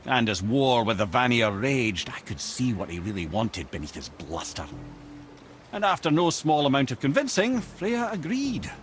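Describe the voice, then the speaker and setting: An actor voicing an eloquent, wry old Scottish sage, telling stories in a theatrical, measured way as a video game character. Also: male voice, mid-range voice, big pitch swings, faint music behind, natural voice. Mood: fond, storytelling. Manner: theatrical, wordy, measured storytelling with wry asides. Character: wry, eloquent old male sage and former royal advisor, storyteller.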